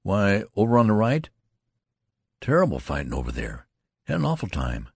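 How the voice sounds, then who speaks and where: A man's voice: lowish voice, huge pitch swings, gravelly, slightly rough, no room sound, studio quality, pitched above the performer's own voice, full character voice. A man doing a stammering, worn-out young soldier. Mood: shaken. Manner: halting, stammering, repeating himself. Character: exhausted young male soldier, faltering and nervous.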